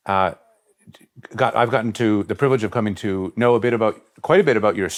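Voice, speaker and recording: A man hosting a reflective long-form interview, speaking in a measured, hesitant way with winding sentences. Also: on the low side. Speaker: interview host, head of a college.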